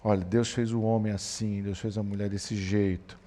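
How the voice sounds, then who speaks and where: A man's voice: lowish voice, moderate pace. A man, a pastor telling a family story in a church talk on parenting. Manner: storytelling, animated when quoting his son.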